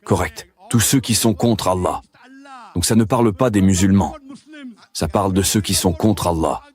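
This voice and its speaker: A man's voice: low voice, moderate pace, darkish tone, husky. A man answering an audience question in a public debate, insistent and curt, repeating his demands.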